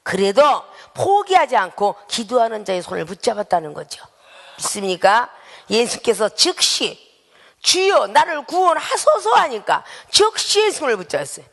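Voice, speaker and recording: A woman's voice: medium pitch, very animated, moderate pace, creaky, a bit bright. A woman pastor preaching a sermon in a church, emphatic and calling out questions to the congregation. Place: church sanctuary. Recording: long reverberant hall sound.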